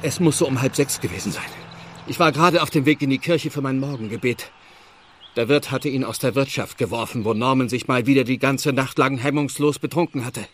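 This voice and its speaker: An actor playing a pious village reverend in a radio play, speaking in a formal, courteous manner. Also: male voice, mid-range voice, brisk, fairly bright tone, lightly acted. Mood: shaken. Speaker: actor in audio drama. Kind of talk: German radio play acting.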